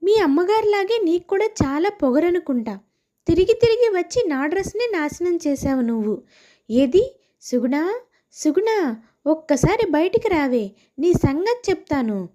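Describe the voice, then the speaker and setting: A woman voicing a quarrelsome neighbor housewife who scolds loudly, in a cartoon story. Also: very high-pitched, big pitch swings, unhurried, exaggerated voice. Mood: angry. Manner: scolding, shouting.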